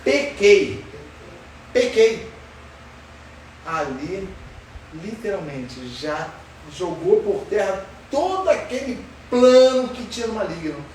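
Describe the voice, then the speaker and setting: A man leads a Bible study and keeps putting questions to the class in a high, lively voice. He sounds far from the mic, in a very echoey room with faint background noise. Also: measured pace. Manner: asks the class questions, animated and emphatic. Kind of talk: Sunday school Bible lesson.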